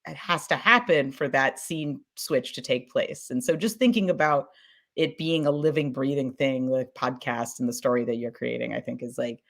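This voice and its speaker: A woman in a casual panel talk about production, speaking in an informal, animated, rambling way and often repeating words. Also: rumbling low, normal speed. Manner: animated storytelling with mimicked sound effects and acted-out quotes. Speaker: scripted podcast producer on a panel.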